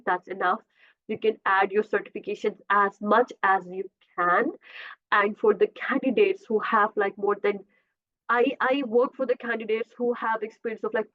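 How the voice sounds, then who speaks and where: A woman whose first language is Urdu gives a career coaching talk over a video call, often pausing with fillers and correcting herself mid-sentence. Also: mid-range voice. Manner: repeats and self-corrects, frequent uh fillers. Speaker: career coach presenting a webinar. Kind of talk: informal presentation with slides. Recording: tinny phone-like video call audio.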